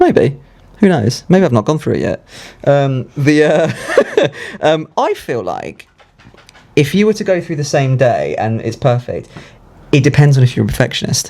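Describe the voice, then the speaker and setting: Speaking at a moderate pace with a British accent, a man leaves long, frequent pauses. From UK. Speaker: podcast co-host. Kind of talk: casual chat.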